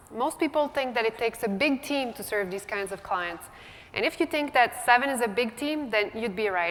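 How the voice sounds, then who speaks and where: This woman talks at a fairly quick pace with a French-Canadian accent. Her high pitch shows ordinary variation. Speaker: designer. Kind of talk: conference talk. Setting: stage with audience.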